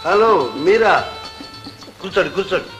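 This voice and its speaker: An actor playing a rich, indulgent young master in a theatrical film drama, with a lordly, drawling delivery. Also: male voice, sits high, normal speed, over music, close to an everyday voice. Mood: lordly, teasing. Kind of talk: Telugu film drama acting.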